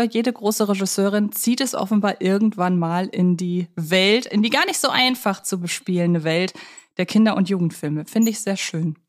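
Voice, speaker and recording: A woman co-hosts a podcast, discussing films casually in a chatty, appreciative way. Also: medium pitch. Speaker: podcast co-host.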